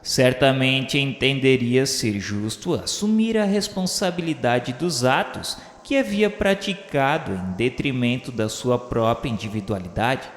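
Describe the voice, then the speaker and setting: A man with a Brazilian accent reads a literary radio novel as narrator, in a solemn, formal, measured and earnest way. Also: medium pitch. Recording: echoey hall-like reverb under music. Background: background music.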